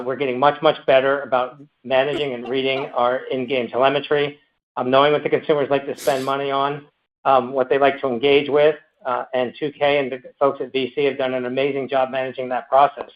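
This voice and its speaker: A man answering as a company executive on an earnings call, in a halting manner. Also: medium pitch. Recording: muffled conference call audio.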